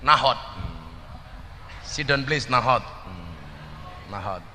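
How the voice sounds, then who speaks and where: Joking preacher with a bright voice. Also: male voice, medium pitch, slow pace, in a large hall, a little hiss or hum. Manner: joking, teasing audience members, mixing in Javanese. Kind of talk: humorous religious talk with audience.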